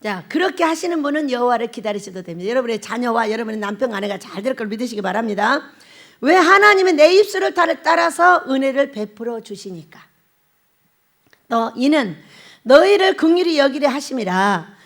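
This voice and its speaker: A middle-aged woman pastor delivering a sermon with a high, bright-pitched voice. Her intonation swings widely as she talks. She laughs often and keeps asking her listeners questions. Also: brisk. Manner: animated, laughs often, asks the congregation questions.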